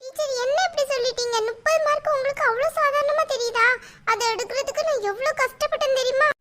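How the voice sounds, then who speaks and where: A woman's voice: extremely high pitch, quick pace, background noise, pitched above the performer's own voice. A woman voicing a whiny, teary cartoon schoolgirl. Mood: indignant. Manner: whiny, indignant, near tears. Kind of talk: cartoon voice acting.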